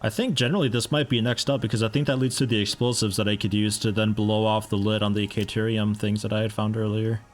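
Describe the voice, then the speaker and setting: A young man with a lowish voice and a mixed American accent, tinged with picked-up European mannerisms. He chats casually and rambles as he streams a game, interrupting himself with amused asides. Faint music plays underneath. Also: level tone, fast talker, hardly any pauses. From United States. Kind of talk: casual live-stream chat while playing.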